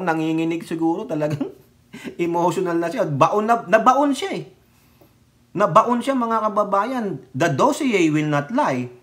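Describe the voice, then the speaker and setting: A Filipino man delivers casual political commentary on his vlog. He talks straight to his viewers in an animated, needling way, and his voice sits a little higher than most men's.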